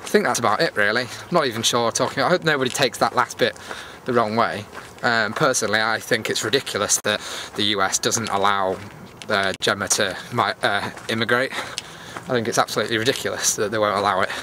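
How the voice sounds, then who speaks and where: A British man hosts a casual vlog on foot in a bright, edgy voice. He talks in a chatty, meandering way, thinking aloud as he goes. The recording is made outdoors, with noticeable ambient noise behind him. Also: fairly low pitch, brisk. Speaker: YouTube vlogger and host. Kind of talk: rambling casual walk-and-talk vlog. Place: outdoors on a cold evening walk. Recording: clear outdoor background noise.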